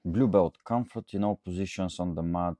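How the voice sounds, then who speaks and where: A Bulgarian man with a low, mellow voice speaks at a moderate pace in a clean, studio-quality recording with no echo. He's a coach and host answering audience questions in a casual, unscripted talk to camera, rambling a bit and frequently checking in with "okay?".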